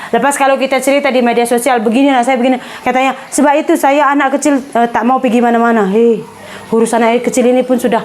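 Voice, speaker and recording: Woman vlogger, casual chat, slightly high voice, faint noise behind. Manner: chatty, mixes in English words.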